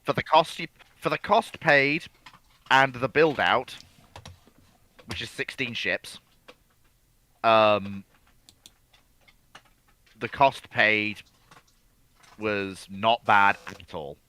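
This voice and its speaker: A man's voice: lowish voice, drawn-out words, long pauses, bright, forceful tone. A man speaking as a co-commentator in a casual discussion, explaining his points with emphasis. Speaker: panel co-commentator.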